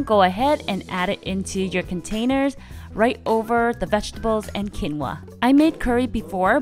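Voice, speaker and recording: A woman in her thirties talks viewers through her weekly meal prep in a casual, friendly voice-over. Her voice sits at a middle pitch and stays easygoing, with upbeat lifts when she recommends something. Quiet music plays underneath. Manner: friendly, relaxed instructional talk with upbeat lifts. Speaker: lifestyle vlogger. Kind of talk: cooking voice-over, casual how-to.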